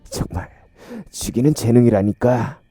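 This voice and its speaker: A man's voice: mid-range voice, normal speed, dark tone, slightly rough, no echo, soft background music, pitched above the performer's own voice. A man doing a crude, menacing detective. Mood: sinister. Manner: coarse, swaggering, sneering. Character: crude, menacing middle-aged male detective. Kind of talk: horror radio story reading.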